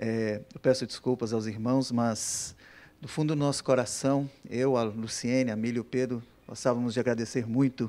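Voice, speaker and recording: Very clean and set against a silent background, the recording carries a dark, mellow tone in a flat, monotone delivery. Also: man. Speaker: guest preacher. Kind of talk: sermon. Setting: church.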